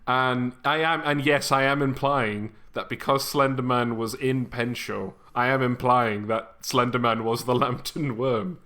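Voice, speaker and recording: A man talks casually as a podcast host. His voice sits at a middling pitch, and his delivery is wry and self-deprecating. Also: fairly even intonation, unhurried, few pauses, pushed and bright. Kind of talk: casual chat.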